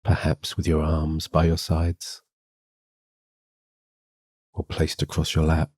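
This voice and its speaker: A man with an exceptionally deep, mellow voice leads a guided sleep meditation. His delivery is gentle and soothing, reading a hypnosis script with a calming, guiding manner. The sound is close and dry. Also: slow pace, breathy edge, no room sound.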